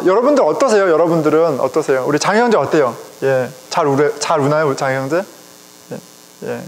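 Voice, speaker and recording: A middle-aged man, a pastor, preaching a sermon in a conversational, animated way, speaking directly to his congregation. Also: a little high. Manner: conversational, animated, chuckles often, addresses congregation. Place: church sanctuary. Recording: long reverb of a church hall.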